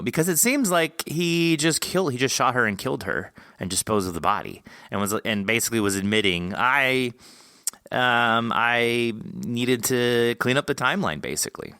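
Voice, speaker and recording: A man hosting a podcast in a casual interview style, thinking out loud in a rambling way and posing questions. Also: mid-range voice, very animated, normal speed, no room sound, clean studio sound. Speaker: podcast host interviewing an author.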